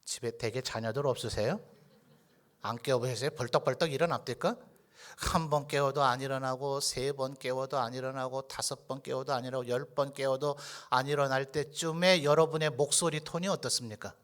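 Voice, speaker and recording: A man's voice: medium pitch, fairly even intonation, a little fast, a bit bright. A male pastor preaching a Sunday sermon into a microphone in a church, emphatic and questioning the congregation. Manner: drops to a whisper for tender points. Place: church sanctuary.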